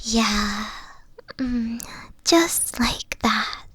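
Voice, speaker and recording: A woman voicing a gentle, thoughtful fox-girl girlfriend in an audio roleplay, speaking softly and hesitantly into a close mic. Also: a little high, animated, extremely slow, husky, dry recording, exaggerated voice. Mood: hesitant, tender. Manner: soft-spoken, hesitant, explains carefully. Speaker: voice actor.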